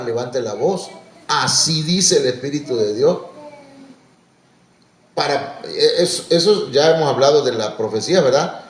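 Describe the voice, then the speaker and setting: Male preacher, folksy storyteller, echoey church sound. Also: mid-range voice. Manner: folksy, storytelling with asides and restarts; exhorting, rising on calls to serve. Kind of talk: conversational sermon.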